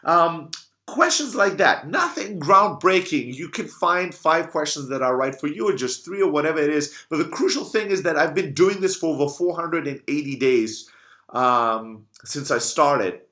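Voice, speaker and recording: A man's voice: a little high, animated, normal speed, sharp tone. A man answering audience questions in a casual video monologue, blunt and emphatic, with frequent swearing. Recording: echoey room.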